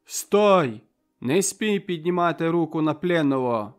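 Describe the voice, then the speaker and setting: A man reading the part of a burly peasant who booms commands at a crowd in an audiobook. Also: lively intonation, takes it slowly, fairly bright tone, clear, resonant tone, soft background music. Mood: commanding. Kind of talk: audiobook character voice.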